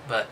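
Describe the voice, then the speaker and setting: With a high-pitched voice and vocal fry, a man reads passages aloud and drops casual, dry, skeptical, dismissive comments between them. Background noise is present.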